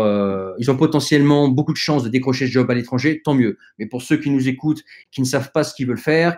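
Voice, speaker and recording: A man whose first language is not French speaks as a guest on a podcast, offering plain advice to younger listeners. His delivery is hesitant and full of fillers and restarts, but earnest and direct. His voice sits at an ordinary middle pitch. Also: darkish tone. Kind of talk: conversational advice in an interview.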